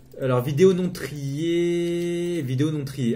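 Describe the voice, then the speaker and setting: This is a man talking. There is a somewhat breathy quality to his voice. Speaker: youtuber and literature student. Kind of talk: casual podcast monologue. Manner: stammers at times.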